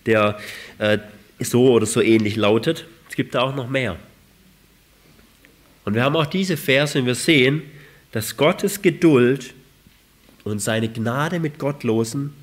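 A man preaching a sermon with a cold, reading scripture with rising emphasis and asking rhetorical questions. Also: mid-range voice. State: has a cold.

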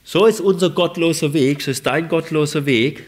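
A man's voice: a little high, normal speed. A man with a slightly raised voice and a cold preaches a sermon. He reads scripture with rising emphasis and presses his listeners with rhetorical questions. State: has a cold.

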